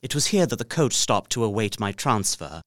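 An actor playing an earnest, uneasy gentleman traveller, narrating his journal in a deliberate, literary gothic drama style. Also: lowish voice, no room sound, clean studio sound. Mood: intent, wondering. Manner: literary, deliberate, expressive storytelling.

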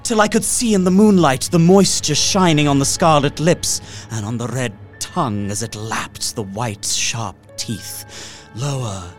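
A man acts an anxious young gentleman reading a diary in a gothic horror drama. The delivery is dramatic, dipping into hushed tones and swelling with intensity, at a middling pitch over faint music. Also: measured pace, natural voice. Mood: entranced, fearful. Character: young Englishman, anxious diarist trapped in vampire's castle.

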